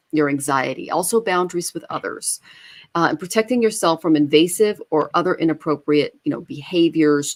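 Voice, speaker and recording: Brief: low-pitched woman, tarot reader, reflective, lots of fillers. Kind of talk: live online tarot reading.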